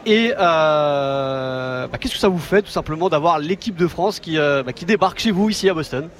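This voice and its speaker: A man's voice: a little high, animated, normal speed. A man reporting live for the news from outdoors on a city street, talking with many fillers and restarts. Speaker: field reporter.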